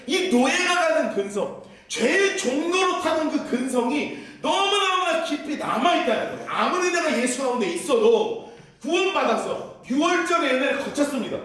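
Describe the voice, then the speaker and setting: A man preaching a sermon as pastor, impassioned and at times shouting. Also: extremely high pitch, expressive, moderate pace. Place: church sanctuary. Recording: echoey church hall, voice from a distance.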